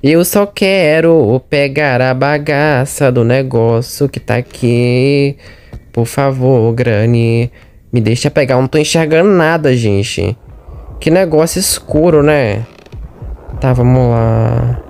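A man's voice: medium pitch, takes it slowly, darkish tone, clear, resonant tone. A man with a Brazilian accent giving chatty let's-play commentary on a horror game, talking straight to his viewers and jumpy at every scare. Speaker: gaming channel host.

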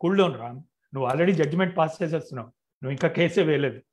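A man reading the lines of a calm, unflappable senior male lawyer, curt and cool. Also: on the high side, fast talker, natural voice.

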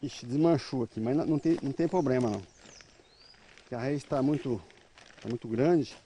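A man's voice: mid-range voice, brisk, mellow, a little hiss or hum. A man in his thirties from Brazil, a rural producer plainly explaining how to plant, speaking outdoors into a reporter's handheld mic. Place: outdoor garden.

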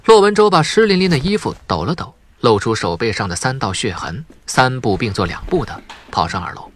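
A man's voice: medium pitch, very animated, brisk, slight background noise. A man reading a novel aloud as an audiobook narrator, in scripted dramatic storytelling.

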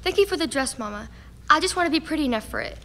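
A woman's voice: high voice, expressive, rapid-fire, bright, forceful tone, heavily acted. An actress playing a sweet, eager teenage frontier daughter in a radio drama, earnest and girlish. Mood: excited, grateful.

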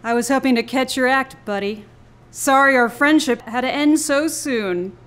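A woman's voice: sits high, moderate pace, fairly bright tone, smooth. A woman playing a cool, mysterious and menacing young beatnik woman in a live noir audio play, speaking tersely and cryptically. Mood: coolly menacing. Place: live on stage in a club.

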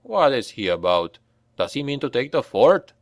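Man doing a fort commander, authoritative, order-giving, lively delivery, dry sound. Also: medium pitch, moderate pace, no echo. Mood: commanding. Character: commanding middle-aged male fort commander.

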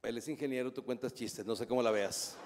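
A man's voice: mid-range voice, fairly even intonation, brisk, noisy background, voice pushed down, close to an everyday voice. Man playing a smug Mexican son, condescending, echoing hall. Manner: mocking, condescending tone. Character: smug grown son, mocking and know-it-all. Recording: long hall reverb.

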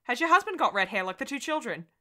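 A woman doing a bright young teacher. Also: a little high, very animated, a little fast, pitched above the performer's own voice. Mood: breezy. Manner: bright, chatty, breezy. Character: cheerful young female schoolteacher.

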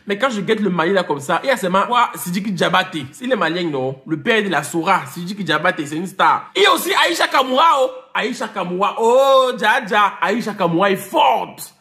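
A man's voice: sits high, lively intonation, brisk, hardly any pauses, pushed and bright. A man ranting and teasing his viewers in a comic vlog, repeating names, slipping into English and laughing as he talks. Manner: laughs while talking. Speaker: vlogger. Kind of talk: comic rant to camera.

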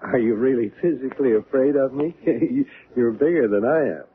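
An actor playing a small, mysterious male stranger in a radio drama, earnest and quietly insistent. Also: mid-range voice, normal speed, slight background noise, natural voice. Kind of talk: 1970s radio drama acting. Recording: narrow tinny old radio broadcast.

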